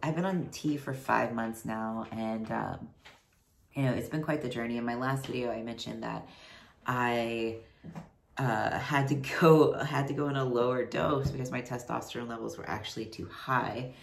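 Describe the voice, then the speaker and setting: A man in his thirties chatting casually to his camera, rambling with lots of "like" and "you know", his voice deepening mid-transition. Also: steady tone, moderate pace, gravelly, a little hiss or hum. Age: 30s. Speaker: vlogger. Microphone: camera mic. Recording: roomy echo, voice somewhat far from mic.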